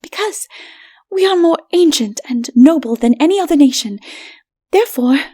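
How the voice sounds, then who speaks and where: Woman voicing a breathy, high, frightened haughty lady. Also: animated, normal speed, mellow. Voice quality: breathy, whispery. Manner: timid, trembling, snobbish. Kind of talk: dramatic audiobook reading.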